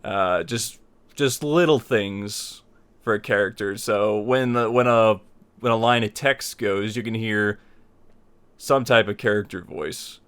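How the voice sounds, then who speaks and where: A man's voice: lowish voice, measured pace, fairly bright tone, smooth. A man hosting a tutorial in casual, conversational talk to viewers, often rephrasing his points. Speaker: host of a tutorial series on making visual novels.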